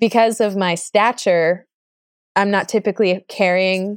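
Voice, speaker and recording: The recording is very clean, with a silent background and a dry, close sound that has no echo. A woman talks with fairly even intonation. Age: 20s. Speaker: trail crew worker and ski patroller. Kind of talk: casual interview. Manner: conversational, uses filler 'like'.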